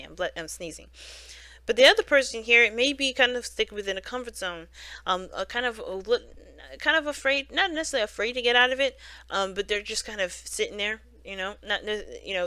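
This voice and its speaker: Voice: medium pitch, pushed and bright, no echo. A tarot reader giving a casual spoken reading, rambling along with frequent "you know" and "right?" and many restarts. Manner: self-correcting restarts.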